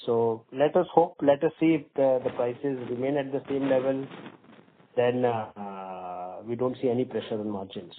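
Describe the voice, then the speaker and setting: On a narrow, tinny phone line, a male company executive with an Indian accent answers questions. His phrasing is halting and measured, at an ordinary mid-range pitch. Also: slight background noise. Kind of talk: spontaneous business conference call answers.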